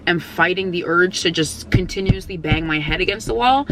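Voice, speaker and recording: A woman in her twenties chatting casually to camera, answering viewer questions with jokes, lots of "like" and sudden loud outbursts. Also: lowish voice, normal speed, background noise. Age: 20s. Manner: playful, laughs often, jokey and oversharing; bursts into loud exclamations.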